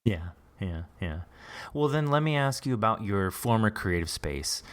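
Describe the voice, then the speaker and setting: A man's voice: lowish voice, expressive, normal speed, clean tone. A man hosting a podcast interview in a casual, enthusiastic, informal way, with rambling questions. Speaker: podcast host interviewing a writer.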